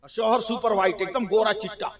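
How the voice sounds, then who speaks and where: A man's voice: high voice, fairly even intonation, fairly quick. A male preacher telling a parable in a sermon, colloquial and often checking that the crowd follows. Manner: builds to loud shouting climax. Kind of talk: sermon storytelling.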